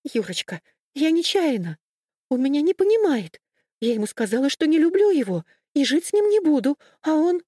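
A woman voicing a scared, tearful young woman who pleads in a high, whimpering voice. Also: sing-song, normal speed, darkish tone, dry recording, clean studio sound.

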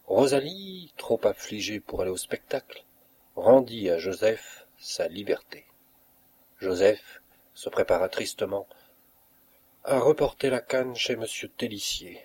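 A man reading a classic novel aloud in a measured, expressive audiobook narration. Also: on the low side, slightly rough. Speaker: audiobook reader.

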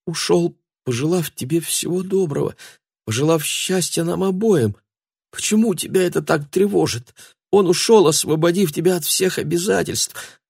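A desperate young girl begs in a high, straining voice, as a man puts her on for an audiobook. Her words rise sharply and tumble out with tearful urgency. The sound is close and completely dry. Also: moderate pace, creaky, a little mellow, breathy edge, dry recording. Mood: trembling. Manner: high, breathless, tearful pleading.

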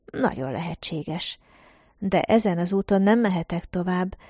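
Low, mellow woman reading an audiobook. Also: no room sound, clean studio sound. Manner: measured, calm reading with quiet narrative asides. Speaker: audiobook reader. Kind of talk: scripted narration of a first-person science-fiction story.

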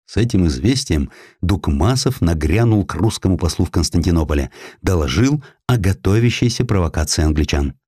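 A man reads a historical tale as scripted audiobook narration, with a dramatic, expressive storytelling delivery. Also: low-pitched, fairly quick, breathy edge, no echo, studio quality.

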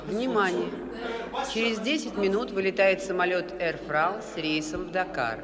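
An actor playing a formal airport announcer in an audio drama, over a reverberant public address. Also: male voice, high-pitched, moderate pace. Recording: long hall reverb, crowd behind.

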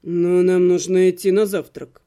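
A woman voicing a smug young blond nobleman who purrs and growls his words slowly. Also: lowish voice, little pitch movement, mellow, pitched below the performer's own voice, lightly acted. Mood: purring. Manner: purring, slow and threatening.

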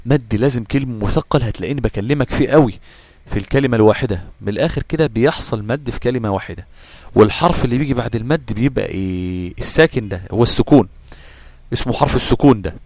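A man with an Egyptian Arabic accent explains Quran recitation rules to a class at a brisk, rapid clip. He keeps checking that his students follow and answers his own questions. The sound is dry and close, with almost no room echo. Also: mid-range voice, darkish tone. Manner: checks understanding with quick questions to listeners.

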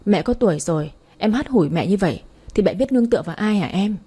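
Woman reader as an angry husband, scolding, lowered mellow voice. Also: expressive, fast, husky. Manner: scolding harshly. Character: angry, reproachful young husband.

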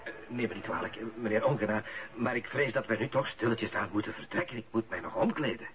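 An actor with a Flemish accent playing a courtly, wryly self-important Catholic canon in a radio drama. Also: male voice, lowish voice, fast talker, fairly bright tone, close to an everyday voice. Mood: polite.

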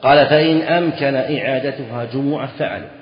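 Arabic scholar teaching in an echoey hall. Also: male voice, mid-range voice, fast. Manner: reads a line of the text, then explains and repeats key phrases; asks the students questions and answers them himself. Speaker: Islamic scholar teaching a fiqh text. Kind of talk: classroom lesson explaining a legal text. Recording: echoey hall recording, dull lo-fi sound.

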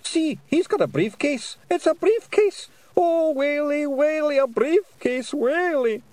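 Terrified tiny pixie, squeaky whimper. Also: male voice, expressive, measured pace, a little mellow, no echo. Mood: panic. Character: panicky little male pixie.

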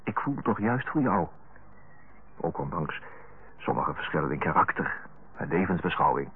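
Earnest middle-aged younger brother, radio play. Very low husky voice, halting and tactful, old tinny broadcast sound. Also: male voice, lively intonation, exaggerated voice. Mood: earnest, tender. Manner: hesitant, searching, self-correcting. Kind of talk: radio drama acting. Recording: tinny narrow-band old radio recording.

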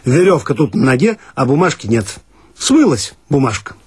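A man's voice: medium pitch, sing-song, normal speed, a little mellow, husky, dry recording, clean studio sound. A man performing a comic first-person monologue in a folksy, naive, grumbling manner. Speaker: storyteller.

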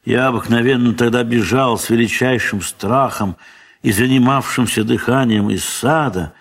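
A man narrating a literary audio play in an expressive, measured theatrical manner with deliberate pauses. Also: medium pitch, gravelly. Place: recording studio.

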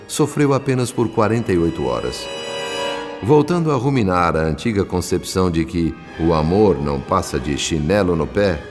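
A man with a Brazilian accent narrating a radio soap opera in a measured, solemn, dramatic way. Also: low voice, in a large hall. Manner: measured, solemn, literary phrasing.

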